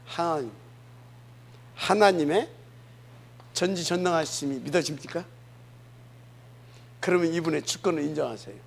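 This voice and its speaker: Gravelly Korean man preaching casually. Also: sits high. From Jeolla, South Korea. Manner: conversational preaching, rhetorical questions to the congregation. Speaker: pastor. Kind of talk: sermon. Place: church sanctuary.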